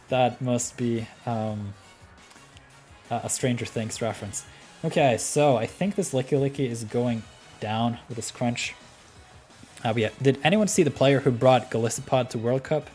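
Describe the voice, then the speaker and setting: A man's voice: medium pitch, measured pace, pauses often, darkish tone. A man from Norway with a Norwegian accent, hosting a live game stream and chatting easily with viewers between plays. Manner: easygoing, chatty, with frequent ums and laughs. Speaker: livestream host. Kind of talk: live game commentary and chat reading. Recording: faint music behind the voice.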